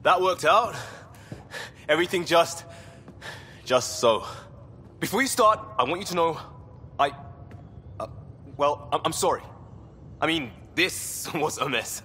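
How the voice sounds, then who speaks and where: A man's voice: on the high side, lively intonation, unhurried, long pauses, bright, forceful tone, in a large hall, slight background noise. A man playing an impulsive, earnest young space crewman in a video game, speaking emphatically. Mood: sheepish, relieved. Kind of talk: video game dialogue acting.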